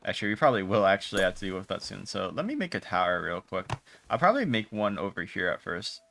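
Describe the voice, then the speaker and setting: A man offers casual video game commentary in a deep, gravelly, slightly bright voice with big pitch swings and a quick pace. He fumbles for words, trailing off and restarting sentences, while game music plays behind him. There is a little hiss or hum.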